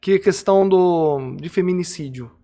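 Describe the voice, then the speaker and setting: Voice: medium pitch, moderate pace, mellow. A speaker in casual conversation, explaining ideas through everyday examples.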